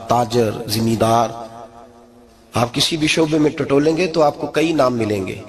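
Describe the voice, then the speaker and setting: A middle-aged man, preaching a sermon in an animated way and climbing to high, emphatic peaks.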